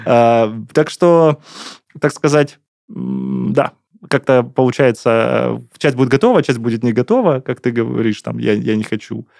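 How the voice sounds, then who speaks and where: A man's voice: mid-range voice, expressive, normal speed, vocal fry, a little mellow, no echo, studio quality. A young man co-hosting a podcast, chatting casually and bluntly in slang with lots of fillers. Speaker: podcast co-host. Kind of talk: casual chat.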